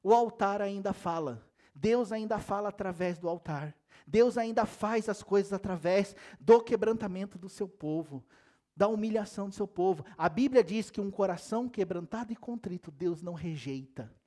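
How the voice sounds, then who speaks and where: At a moderate pace, a pastor with a high, warm voice gives an energetic sermon. He keeps turning to the congregation with rhetorical questions, and he jokes and laughs as he goes.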